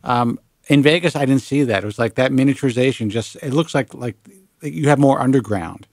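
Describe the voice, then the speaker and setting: A man in his late forties hosting a talk show, chatting casually with lively restarts and the odd swear word. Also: medium pitch, fairly quick, dry recording. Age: 40s. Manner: animated, swearing, lots of restarts. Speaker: show host. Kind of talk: casual radio show chat.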